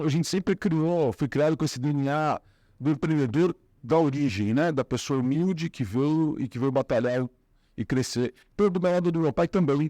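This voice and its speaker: A middle-aged man from São Paulo, speaking with a Paulistano Brazilian Portuguese accent, rambles through his family story as a guest in a casual interview, full of fillers and restarts. His voice is medium-pitched and dark, recorded dry with clean studio sound.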